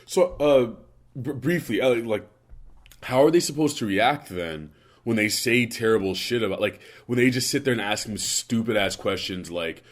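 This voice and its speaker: A man's voice: medium pitch, expressive, moderate pace. A man co-hosting a casual podcast, blunt and teasing, with crude jokes. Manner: blunt, teasing, crude, with mocking athlete voices. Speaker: podcast co-host.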